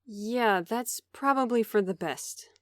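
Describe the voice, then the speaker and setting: An actress playing a guarded perfectionist young office worker in an audio drama, measured, articulate and earnest. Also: female voice, on the high side, a little hiss or hum. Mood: guarded, apologetic.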